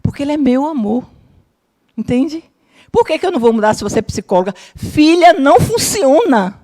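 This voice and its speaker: A woman around fifty gives a spiritist lesson in front of a live audience and draws on her own family stories. Her voice sits a little high and swings widely as she checks in with her listeners and acts out what her relatives said. She speaks like a psychologist who teaches. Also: moderate pace. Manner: lively, keeps checking in with listeners, acts out quoted family members. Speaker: spiritist course lecturer and psychologist. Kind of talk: lecture with personal stories. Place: lecture room with a live audience.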